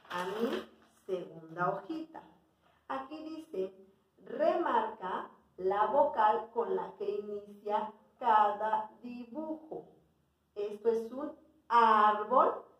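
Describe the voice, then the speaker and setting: A woman teaching a preschool class, speaking slowly and clearly and sounding out words for young children. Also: medium pitch. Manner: patient, sounding out words and checking in with "¿sí?". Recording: roomy sound from away from the mic.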